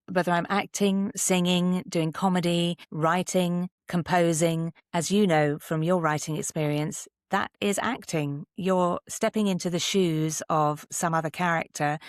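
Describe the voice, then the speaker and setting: A woman's voice: lowish voice, unhurried, few pauses, dry recording, clean studio sound. A middle-aged British woman talking conversationally as an interview guest, reflective and articulate as she shares advice. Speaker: podcast guest, actor and voice artist.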